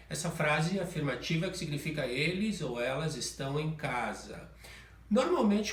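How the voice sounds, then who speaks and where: A man teaching a video language lesson, explaining grammar step by step and saying example sentences slowly and deliberately. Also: high voice, reverberant, recorded from a distance. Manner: slow, deliberate model sentences between explanations. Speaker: English teacher.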